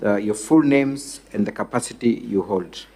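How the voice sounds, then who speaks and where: A man with a Kenyan accent questioning a witness as counsel, formal, courteous and deliberate, phrase by phrase. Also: fairly low pitch, warm tone, breathy edge. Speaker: defence lawyer questioning a witness. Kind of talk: formal legal examination.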